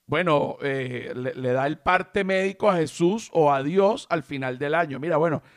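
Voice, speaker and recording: A Venezuelan man with a slightly high voice talks in a loose, joking podcast chat. He is animated and drags out words when he wants to land a point. The sound is dry and close, with no room around it. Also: normal speed, no room sound. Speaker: podcast host. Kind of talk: casual comedic chat.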